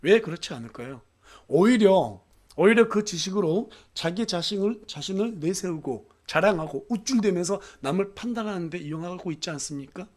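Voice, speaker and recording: High-voiced Korean pastor preaching earnestly. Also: male voice, expressive, moderate pace. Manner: earnest preaching with frequent affirming fillers and rhetorical questions. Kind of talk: sermon. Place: church.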